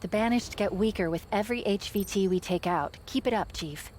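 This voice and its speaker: An actress playing an upbeat young female military AI companion in a video game, briefing in a brisk, chatty, eager way. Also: mid-range voice, heavy background noise, close to an everyday voice. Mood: pleased, confident. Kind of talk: video game mission dialogue. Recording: loud game music behind.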